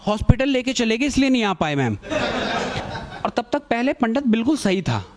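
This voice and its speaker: A man's voice: normal speed, heavy background noise. A young man doing stand-up comedy, telling a school story and acting out the people in it with shifting voices. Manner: animated, acts out quotes with shifting pitch. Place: comedy stage with audience.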